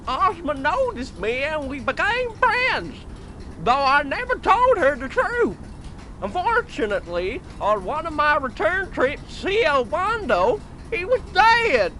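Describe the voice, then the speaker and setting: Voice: sits high, sharp tone, heavily acted, poor audio. An actor voicing a sassy female talking chicken in an audio drama, with a blunt, snippy manner. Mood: earnest, explanatory. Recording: faint background noise.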